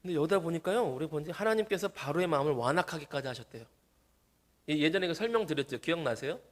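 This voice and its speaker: Animated male pastor preaching. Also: a little high, fast. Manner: animated, acts out quoted voices. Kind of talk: sermon.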